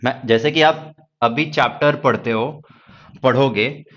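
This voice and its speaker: A man's voice: mid-range voice, unhurried, a bit bright, muffled recording. A man with a Hindi accent teaching a stenography class, reassuring his students and asking them rhetorical questions. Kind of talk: classroom lecture.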